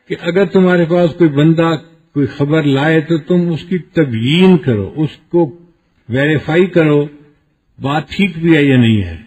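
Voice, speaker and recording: Husky-voiced man preaching a sermon. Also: a little high, a little mellow. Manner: explains with everyday examples and acted quotes. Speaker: Islamic preacher. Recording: dull lo-fi recording.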